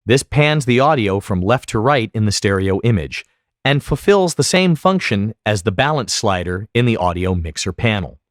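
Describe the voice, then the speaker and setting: Lively-pitched low male tutorial narrator. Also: normal speed, no room sound, clean studio sound. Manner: methodical, explanatory. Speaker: software tutorial instructor. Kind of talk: instructional screen-recording narration.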